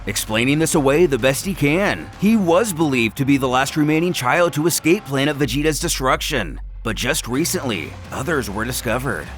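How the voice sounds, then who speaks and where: A man's voice: mid-range voice, expressive, normal speed, hardly any pauses, fairly bright tone, faint music behind. A man narrating a scripted story in a dramatic, theatrical and intense manner.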